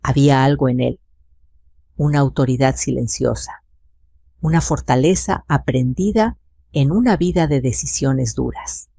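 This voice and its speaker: Older woman, storyteller, gravelly, mellow, dry close sound. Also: very deep voice, unhurried, no echo. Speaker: narrator. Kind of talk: first-person story narration.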